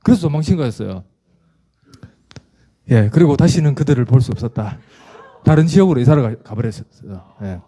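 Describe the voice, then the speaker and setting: Mellow-voiced, animated preacher. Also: male voice, medium pitch, brisk, pauses often. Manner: animated storyteller, acts out scenes, frequent restarts. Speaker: pastor. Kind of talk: sermon with storytelling.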